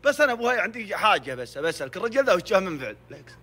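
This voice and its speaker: Lively high-voiced teasing man. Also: racing. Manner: playful, mock-consoling teasing. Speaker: social media host. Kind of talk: casual teasing chat.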